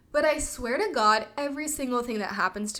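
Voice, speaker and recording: A woman uses a raised, projected voice, high in pitch and bright, sharp in tone. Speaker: life coach and podcast host. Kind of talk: casual solo podcast chat.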